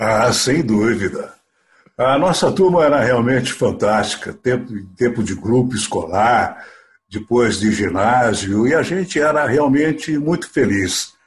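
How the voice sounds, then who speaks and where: Lively intonation carries a man's somewhat breathy, medium-pitched voice at a fairly slow pace. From interior of São Paulo state (Duartina). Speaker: radio and TV announcer, journalist. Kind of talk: casual interview. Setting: online call.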